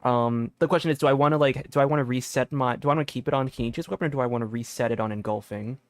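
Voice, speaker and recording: A young man doing casual live game commentary as a streamer, excitable and rambling, often repeating himself. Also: mid-range voice, racing, no echo. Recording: dry close sound with game music.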